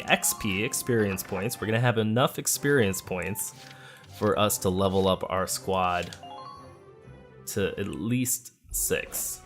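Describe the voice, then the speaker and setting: A man hosting a let's play, thinking aloud in casual, conversational game commentary. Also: lowish voice. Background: game music.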